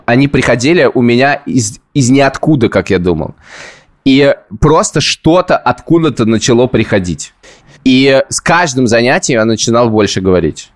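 A man hosting a podcast, chatting casually and telling long, self-ironic stories. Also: medium pitch. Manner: rambling, self-ironic storytelling. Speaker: podcast host.

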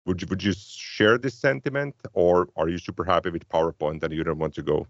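Low-voiced Finnish man chatting about tech. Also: fairly quick, no echo, lo-fi sound. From Finland. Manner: thoughtful, frequent restarts and repeated words. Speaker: podcast co-host. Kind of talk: casual tech podcast chat.

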